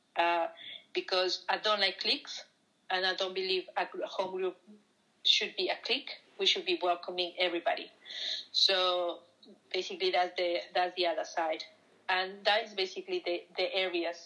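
A woman with a Spanish accent speaks in a medium-pitched voice with a bright, sharp tone. Her delivery is monotone and flat at a moderate pace, with long, frequent pauses. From Ecuador. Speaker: church home group leader. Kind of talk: podcast interview. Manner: halting.

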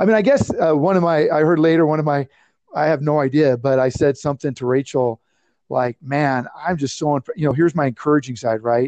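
A man with an American accent speaks in a normal speaking voice, fairly high in pitch and at a fairly quick pace, with ordinary pitch variation. The sound is dry and close with no echo, over a quiet background. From Colorado. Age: 50s. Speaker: former game contestant. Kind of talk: casual chat.

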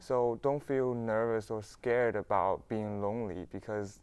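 Against a quiet background, a man with a Chinese accent speaks slowly-ish at a fairly slow pace, with a fairly low pitch and fairly even intonation. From China, Dalian. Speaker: university student. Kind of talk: interview. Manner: halting.

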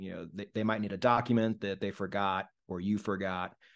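The speaker has a Midwestern American accent. The background is quiet. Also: man. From US Midwest. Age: 40s. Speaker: investing YouTuber. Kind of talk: interview.

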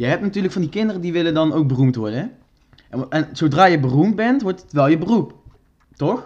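Speaking in a plain, everyday voice, a man delivers fairly high-pitched, lively intonation at a fairly quick pace with big swings in loudness. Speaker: podcast guest. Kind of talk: casual chat. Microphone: far from the mic, too quiet.

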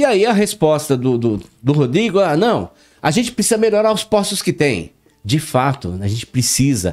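A man with a plain, everyday voice, at a moderate pace, with lively intonation. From Brazil, Ferraz de Vasconcelos, greater São Paulo. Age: 40s. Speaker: driver and former city council candidate. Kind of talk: podcast interview. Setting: studio.

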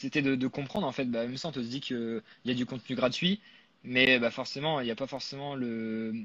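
Against a quiet background, a man talks at a fairly quick pace. His tone is bright and sharp, with ordinary pitch variation. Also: medium pitch for a man. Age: 20s. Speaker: mindset coach. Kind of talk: live-stream interview. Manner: halting.

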